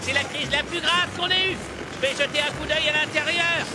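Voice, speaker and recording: Woman voicing a high-pitched, bossy cartoon mechanic. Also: over a noisy crowd, very noisy, lightly acted. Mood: confident, breezy. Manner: brisk, energetic, commanding. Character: brisk, confident young mechanic boss, cheerful and bossy. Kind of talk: French cartoon dubbing. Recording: loud music and busy outdoor clamour behind.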